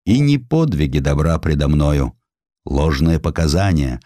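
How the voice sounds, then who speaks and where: A man's voice: extremely low pitch, expressive, a little slow, warm tone, no room sound, clean studio sound. A man voicing a shrewd, blunt lawyer of Tsarist Russia in a declamatory, oratorical manner, as in an audio drama. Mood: solemn denunciation.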